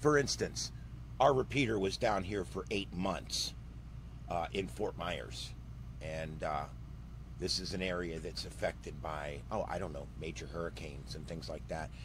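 Over noticeable background noise, a man with a very deep, low pitch and vocal fry speaks at a moderate pace with very wide pitch swings, the sound dry with no echo. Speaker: amateur radio operator. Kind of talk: commentary. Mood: frustrated, sardonic. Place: home room.

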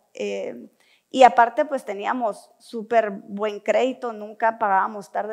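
Against a quiet background, a woman talks in a fairly high pitch. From Guatemala. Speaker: entrepreneur, healthy food business founder; guest. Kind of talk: talk to an audience. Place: hall. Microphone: headset.

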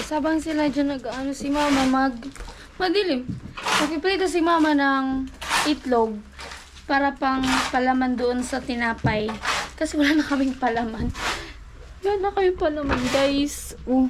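Fairly slow speech from a high-pitched woman, with ordinary pitch variation, long, frequent pauses and noticeable background noise. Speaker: vlogger. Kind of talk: casual vlog. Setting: outdoors at home, family construction site. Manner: animated, laughs often.

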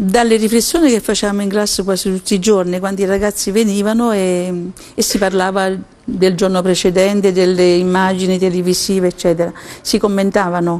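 A woman's flat, monotone delivery at a fairly quick pace. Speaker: school teacher. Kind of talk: interview answer. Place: studio. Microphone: lapel.

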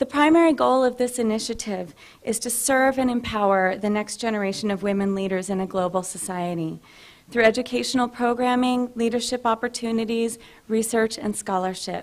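A woman with a plain, everyday voice, ordinary pitch variation and a fairly quick pace. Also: fairly high pitch for a woman. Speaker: university program director. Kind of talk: formal speaker introduction. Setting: stage with audience.

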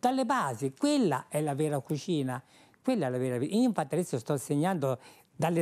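A man's dark, mellow voice, fairly high-pitched, at a fairly slow pace against a quiet background. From Tuscany, province of Lucca; Tuscany. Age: 70s. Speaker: chef; guest. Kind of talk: TV interview. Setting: TV studio. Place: studio.

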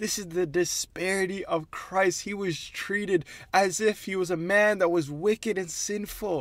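A man speaks with a high pitch and ordinary pitch variation. The sound is dry, with no echo. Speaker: faith vlogger. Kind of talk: sermon-like vlog talk. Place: car. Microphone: phone near.

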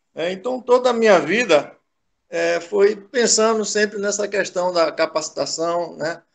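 Against a quiet background, a man is speaking. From Bahia, Brazil. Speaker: retired occupational hygienist; speaker. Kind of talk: panel discussion. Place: home room. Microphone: video call.

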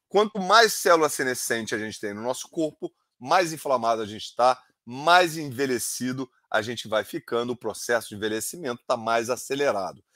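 Against a quiet background, a man talks fairly quickly in a bright, sharp tone with lively intonation, big swings in loudness and a dry sound with no echo. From Brazil, Rio de Janeiro (Vila Isabel/Tijuca); Rio de Janeiro, Brazil. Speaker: doctor, orthopedist. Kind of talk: live stream medical talk with viewer Q&A. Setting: live stream. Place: home room. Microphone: headset.

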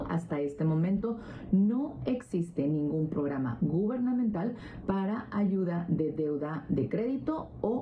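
A woman speaks with a fairly low pitch. Light background noise can be heard. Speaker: financial specialist. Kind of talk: expert interview answer. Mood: serious, cautionary.

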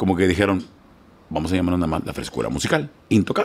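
Over light background noise, a man talks at a very fast pace and a fairly low pitch. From northeastern Mexico (Monterrey, Tamaulipas); northeastern Mexico. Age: 50s. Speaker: radio announcer. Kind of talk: casual interview chat. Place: studio. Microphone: studio mic.

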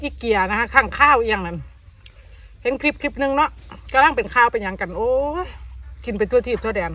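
Bright and sharp in tone with vocal fry, a woman speaks with ordinary pitch variation, the sound dry with no echo. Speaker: food vlogger. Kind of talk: casual vlog chat while eating. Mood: earnest, opinionated. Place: garden. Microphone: phone near.

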